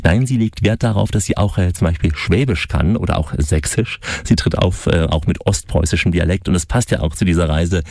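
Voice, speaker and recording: A man narrating a documentary report in a calm, measured way. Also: low voice, vocal fry, no room sound, clean studio sound.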